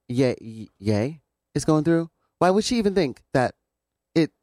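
A man's voice: mid-range voice, a little mellow, no room sound, clean studio sound. A man co-hosting a morning radio show, tossing in sassy, exasperated asides. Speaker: radio co-host. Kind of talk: casual morning radio banter.

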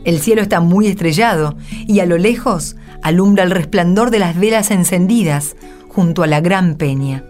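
A woman's voice: fairly low pitch, normal speed, darkish tone. Argentine woman narrating over music. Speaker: narrator and presenter. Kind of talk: scripted radio drama narration. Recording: clear music under the voice. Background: background music.

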